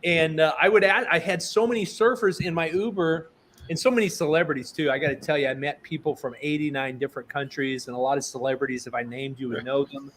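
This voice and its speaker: A man in his fifties hosts a talk show with a slightly high voice. He is enthusiastic and chatty and rambles from story to story. Faint background noise runs under the recording. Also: steady tone, fast talker, a bit bright. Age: 50s. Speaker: host. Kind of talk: casual interview chat.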